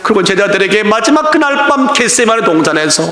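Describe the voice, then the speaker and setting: Pastor guy preaching, bright high voice, acts out stories, laughs a lot. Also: fast talker. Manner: lively storytelling preaching, acts out dialogue, laughs often. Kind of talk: sermon. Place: church sanctuary. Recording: echoey church hall.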